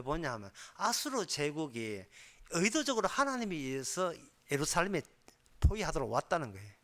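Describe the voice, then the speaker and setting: A male pastor delivers a sermon in a high, bright voice. His pitch swings widely as he builds to fervent emphasis. He often breaks off mid-word to restart. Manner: emphatic, rising to fervent intensity; explanatory, with frequent self-corrections. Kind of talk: Wednesday sermon.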